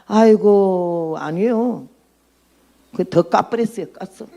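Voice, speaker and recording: A woman's voice: medium pitch, expressive, normal speed, darkish tone. A woman in her nineties, a missionary preacher, giving a blunt, outspoken sermon and testimony. She often laughs at her own remarks and throws questions at the congregation. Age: 90s.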